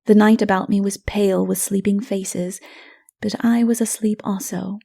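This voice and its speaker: A woman reading dark fantasy as a dramatic audiobook, in a hushed, solemn, measured manner. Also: medium pitch, steady tone, vocal fry. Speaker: audiobook narrator. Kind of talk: dramatic scripted literary narration of dark fantasy.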